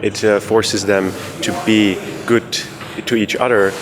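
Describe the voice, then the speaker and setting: Low-voiced young man, crowd behind. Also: flat delivery, slow pace. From Czech Republic. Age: young adult. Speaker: student interviewee. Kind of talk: conference vox-pop interview.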